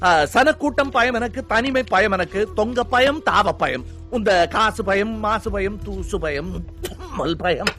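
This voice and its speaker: A high-voiced fearful patient with a Sri Lankan Tamil accent. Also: male voice, lively intonation, sharp tone, soft background music, exaggerated voice. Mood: anxious listing. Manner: rapid rhyming list-like recitation, nervous. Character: timid middle-aged man afraid of everything. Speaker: patient describing his fears to a doctor. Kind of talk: film comedy acting.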